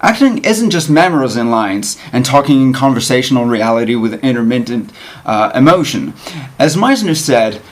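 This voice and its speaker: A man reading an essay aloud as an actor would, with lively, emphatic and deliberate phrasing. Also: medium pitch. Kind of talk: expressive read-aloud of an essay.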